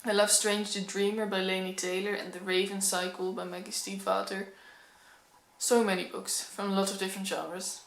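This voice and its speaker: In an echoey room at home, this young book vlogger from the Netherlands talks casually and openly to the camera with a Dutch accent. Her mid-range voice shows little pitch movement and a moderate pace, and her slight nerves come out in frequent ums.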